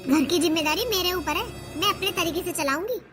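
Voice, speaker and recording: A woman voicing a sharp-tongued young wife who scolds her in-laws in an animated cartoon. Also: fairly quick, loud music behind the voice. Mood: scolding. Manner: scolding, high-pitched and shrill. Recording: noisy home recording.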